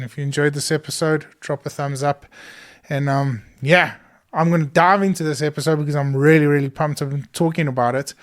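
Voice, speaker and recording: A man talks through a solo podcast episode in a small studio. His voice is hoarse and a little high for a man. He sounds earnest and keen, with plenty of fillers between his thoughts. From South Africa. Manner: earnest and enthusiastic, many fillers. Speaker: podcast host.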